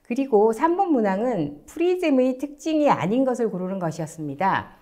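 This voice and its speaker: A woman's voice: on the high side, very animated, fairly quick, warm tone. A woman hosting a webinar, reading scripted announcements in a polite, formal presenter manner. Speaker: webinar host.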